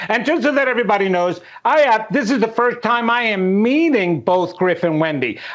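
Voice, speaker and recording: A man with a high voice talks at a fairly quick pace with hardly any pauses, lively intonation and very even loudness over noticeable background noise. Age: 60s. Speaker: psychic medium. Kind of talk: psychic reading in interview.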